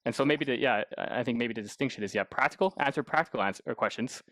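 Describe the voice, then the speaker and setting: Fast-talking male podcast host, dry close sound. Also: mid-range voice, a bit bright, dry recording. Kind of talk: casual literary discussion.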